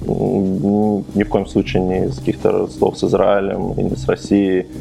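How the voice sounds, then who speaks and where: Very slow speech with music in the background. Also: man. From Moscow, Russia. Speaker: football goalkeeper. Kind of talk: interview. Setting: video call. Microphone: video turned off for better connection.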